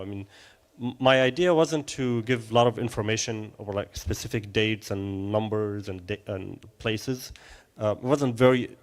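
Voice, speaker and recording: A man from Syria in his thirties, a filmmaker guest answering questions in a live interview, hesitant with many fillers and restarts. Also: on the low side.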